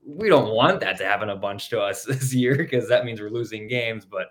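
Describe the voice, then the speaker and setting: A man co-hosting a sports podcast, easygoing and quick to laugh as he talks. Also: on the low side, fairly bright tone. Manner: easygoing, laughs often, many fillers. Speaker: podcast co-host. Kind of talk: casual sports chat.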